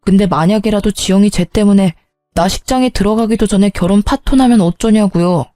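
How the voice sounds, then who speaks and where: A woman's voice: medium pitch, a little fast, warm tone, no room sound, studio quality, soft background music, close to an everyday voice. A woman voicing a grown son who insists and pleads with his mother, turning angry, in a narrated story. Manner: insistent, pleading, sharpening into anger. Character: grown son, earnest then exasperated and shouting. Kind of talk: storytelling with voiced characters.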